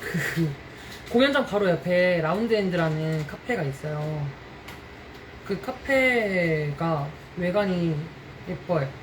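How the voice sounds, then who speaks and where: Actress with a Gyeongsang accent, low-voiced and unhurried in casual chat. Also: female voice, animated, background noise. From Ulsan, South Korea. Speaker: stage actress.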